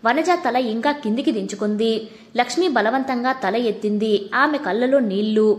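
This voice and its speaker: A woman narrating a read-aloud story in a calm, steady storytelling manner. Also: a little high, moderate pace. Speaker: story reader. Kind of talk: scripted narration.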